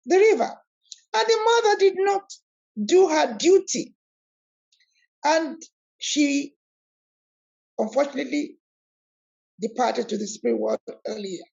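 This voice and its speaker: Emphatic high-voiced woman. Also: creaky, a little mellow. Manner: emphatic and preacherly, repeats words, rises sharply on key words. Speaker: host of an online spiritual discussion. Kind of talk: animated talk, switching between English and Yoruba. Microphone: video call. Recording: lo-fi video call audio.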